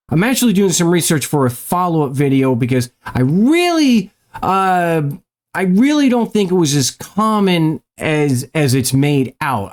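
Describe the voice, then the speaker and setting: A man with an American accent giving a casual, halting monologue as a video host, often rambling and repeating his words. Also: fairly high pitch. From North America.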